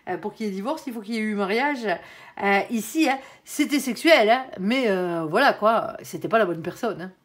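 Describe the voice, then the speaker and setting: Speaking at a normal speed in an animated, medium-pitched voice, a woman does a loose, colloquial tarot reading for her audience. She sprinkles in "hein" and "euh," addresses the viewer as "mon ange," and muses out loud over each card with laughs and self-corrections.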